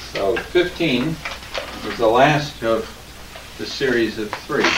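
A man's words come very slowly, with noticeable noise in the background. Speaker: study group teacher. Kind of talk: lecture. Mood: relaxed, humorous. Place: classroom. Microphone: old recording.

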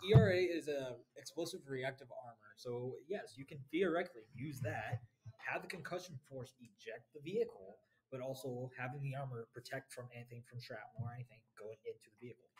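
Somewhat breathy and at a medium pitch, a man speaks at a fairly quick pace with ordinary pitch variation and big swings in loudness. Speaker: student podcast co-host. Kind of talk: casual chat. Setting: livestream.

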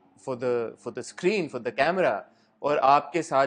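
A man speaks at a fairly slow pace. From Punjab, Pakistan. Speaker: interviewer. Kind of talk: interview. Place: studio. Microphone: lapel.

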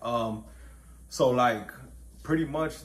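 A man speaks in an American accent with vocal fry. His pitch varies in an ordinary way. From Tucson, Arizona; Arizona. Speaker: podcast guest, formerly incarcerated; podcast guest. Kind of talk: casual interview chat. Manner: articulate. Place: home room. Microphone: lapel.

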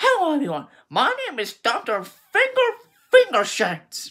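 Someone speaks in a put-on character voice with a high pitch. The pace is fairly slow. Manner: villainous.

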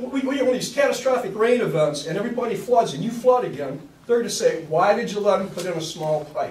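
A man with an extremely high pitch and lively intonation is heard through audible room echo and noticeable background noise. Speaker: village council member. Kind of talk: council meeting discussion. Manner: emotional, agitated.

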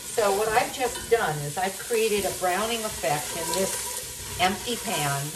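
A woman's fairly slow speech comes through noticeable noise in the background. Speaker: cooking channel host and health coach. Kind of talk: cooking tutorial. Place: kitchen. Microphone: camera far.

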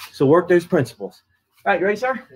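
The speech comes at a very fast pace. Light background noise is audible. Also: man. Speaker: martial arts instructor. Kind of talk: live online martial arts class, calling out drill counts and corrections. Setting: live-streamed video class. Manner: loud, rhythmic, commanding, shouting kiais and counts. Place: gym. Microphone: camera far.

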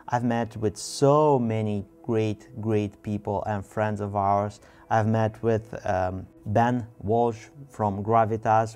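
A man speaks at a very slow pace in a fairly low voice with fairly even intonation, and faint music plays in the background. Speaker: pen seller vlogger. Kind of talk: casual vlog chat. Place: home room.

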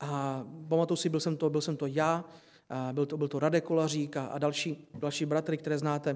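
Over a quiet background, a man with a fairly high pitch speaks at a fairly quick pace in a monotone, flat delivery. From Czech community in Banat, Romania; Romania. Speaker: pastor. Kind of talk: testimony. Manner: halting, with many repetitions. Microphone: podium.

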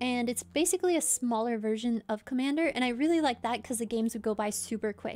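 Over faint music in the background, a woman talks at a very fast pace. Her high pitch shows ordinary variation. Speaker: streamer. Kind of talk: casual vlog chat. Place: home room. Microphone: studio mic.

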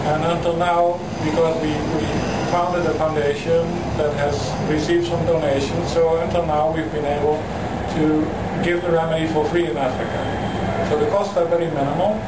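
With loud background noise behind him, the man talks at a fairly quick pace. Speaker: interviewee. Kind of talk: interview answer.

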